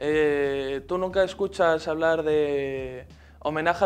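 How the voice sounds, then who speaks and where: A man speaks at a fairly high pitch in a plain, everyday voice. The background is quiet. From Asturias. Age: 20s. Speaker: protest participant. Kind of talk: interview.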